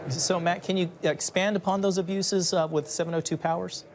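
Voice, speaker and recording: A news anchor introduces a correspondent's report in a smooth, formal read. The pitch is moderate, with a faint background ambience. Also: steady tone, brisk, noisy background.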